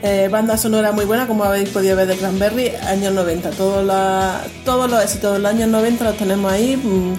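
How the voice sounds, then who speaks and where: A woman's voice: mid-range voice, fairly even intonation, quick pace, few pauses, music in the background. A woman host in casual radio chat, talking about a TV series in a chatty way, laughing easily and often restarting her sentences.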